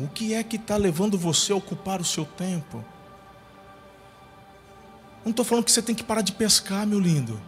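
A pastor with a high voice tells stories in his sermon, acting out the lines of the people in them. His voice rings through a large church hall with long reverb, and soft music plays faintly behind him. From Brazil. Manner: storytelling with acted-out quotes.

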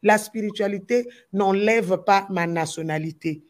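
A woman's voice: mid-range voice, a little slow. A woman from the Congo with a Congolese French accent, a gospel musician speaking with passion and repeating phrases for stress. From Democratic Republic of the Congo. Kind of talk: impassioned talk-show discussion.

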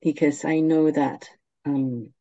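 A meditation guide with a soft, mellow voice and a very slow, gentle delivery, leaving long pauses. The sound is dry and slightly dull, as if recorded close in. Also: mid-range voice, steady tone, no echo.

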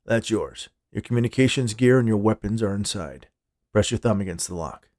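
A man plays a stern security chief in an audio short story. He is gruff and blunt, giving terse orders in a lowish voice, recorded close and dry. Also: a little fast, darkish tone, dry recording, close to an everyday voice. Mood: brisk instruction. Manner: terse, no-nonsense, warning. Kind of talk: audio fiction character dialogue.

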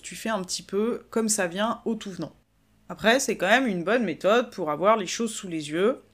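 A woman hosting a solo podcast, explaining work methods in a chatty, informal way and talking straight to the listener. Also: medium pitch. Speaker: podcast host, business coach.

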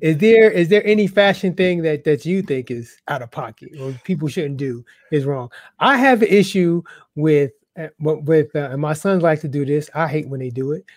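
A middle-aged man co-hosting a casual podcast, easygoing and quick with agreeing interjections. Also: a little high, lively intonation, dry recording, clean studio sound. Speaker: co-host.

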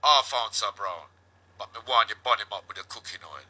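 A man voicing a menacing Jamaican prison dealer, speaking in a low, laid-back patois. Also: animated, moderate pace, pushed and bright, breathy edge, full character voice. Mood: scheming.

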